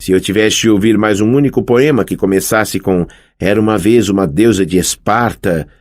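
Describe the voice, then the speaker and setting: A man's voice: on the low side, normal speed, a little mellow, dry recording, clean studio sound, natural voice. A man reading an audiobook, voicing a weary, bittersweet young huntress.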